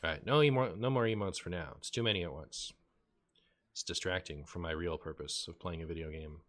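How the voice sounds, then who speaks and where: A man's voice: low voice, brisk, a bit bright. A man casually commentating a live game stream, playful with dry asides. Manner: playful, hammy mock outrage and dry asides. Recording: faint background noise.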